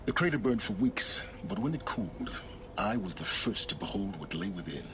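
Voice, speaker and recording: An actor playing a cold, calculating man who speaks in a measured, solemn way. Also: low-pitched, big pitch swings. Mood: grave. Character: grim ancient male schemer, cold and calculating. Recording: game audio under faint hiss.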